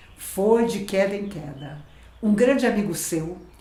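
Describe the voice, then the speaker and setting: There is audible room echo and noticeable background noise around this woman's voice. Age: 60s. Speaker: spiritist lecturer. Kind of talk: lecture. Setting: virtual talk.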